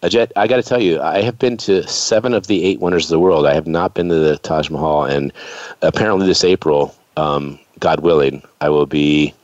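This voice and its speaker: A man's voice: very deep voice, brisk, a little mellow, no room sound. A man in his fifties, from the United States, hosting an interview in a chatty, rambling way. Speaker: show host. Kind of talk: casual interview chat. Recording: dull lo-fi sound.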